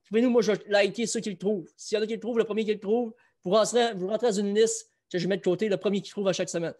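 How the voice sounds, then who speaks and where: A man's voice: high-pitched, fairly even intonation, rapid-fire, a little mellow. A man with a Quebec French accent hosts a casual sports chat show. He talks loosely and keeps things moving as he runs a trivia quiz for viewers. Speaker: host.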